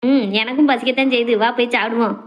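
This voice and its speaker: A woman's voice: a little high, fairly even intonation, rapid-fire, natural voice. A woman playing a shy, tender-hearted middle-aged mother in a family skit. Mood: fond. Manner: shy, scolding fondly.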